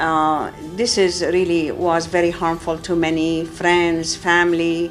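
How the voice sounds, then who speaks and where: A woman's fairly low voice with a Lebanese accent, against noticeable background noise. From Lebanon. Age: 70s. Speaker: educator and community organizer. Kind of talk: interview testimony. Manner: halting.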